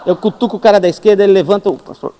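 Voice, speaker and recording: High-voiced Brazilian-accented pastor telling stories. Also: male voice, rapid-fire, long reverb tail, a little hiss or hum. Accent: Brazilian Portuguese. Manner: animated, self-mocking storyteller who acts out dialogue. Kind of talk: sermon with humorous anecdotes. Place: church service.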